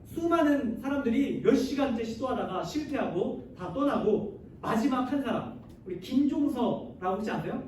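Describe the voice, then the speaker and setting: A man with a very high voice preaches to teenagers and keeps turning to his listeners with questions. His voice rings through a large, booming church hall and sounds far from the microphone. A faint hiss sits behind him. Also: animated, moderate pace, darkish tone. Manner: addresses the listeners often and asks them questions; leads the congregation in reading scripture aloud. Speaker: youth pastor. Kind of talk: sermon to high school students. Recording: very echoey hall, voice heard from afar, faint noise.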